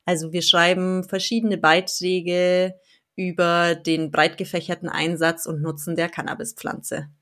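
A woman's voice: fairly low pitch, flat delivery, measured pace, fairly bright tone. A woman in her thirties from the Allgäu in southern Germany, speaking earnestly and enthusiastically as an interview guest. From Allgäu, Bavaria, southern Germany. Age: 30s. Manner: enthusiastic, earnest, laughs easily. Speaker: interview guest, blog founder and editor. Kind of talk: conversational podcast interview.

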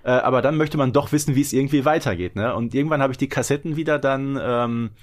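A man's voice: medium pitch, fast. A middle-aged man chatting casually as a podcast host, talking like a keen fan who loves detail.

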